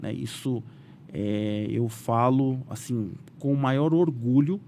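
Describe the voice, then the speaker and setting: Guest: Brazilian man, animated storyteller, keeps tossing in filler tags, mid-range voice, faint background noise. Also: takes it slowly. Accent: Brazilian Portuguese. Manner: animated, voices quotes with raised pitch, frequent "né?" fillers. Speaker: businessman guest. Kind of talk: casual storytelling interview.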